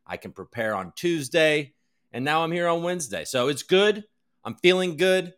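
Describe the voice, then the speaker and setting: Hosting a crypto news livestream, this man talks at normal speed in a high-leaning, a bit bright voice that's very animated. His casual chat wanders, turns self-deprecating and is full of swearing.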